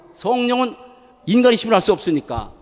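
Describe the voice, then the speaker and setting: This man speaks high with lively intonation. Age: 60s. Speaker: pastor. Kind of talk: sermon.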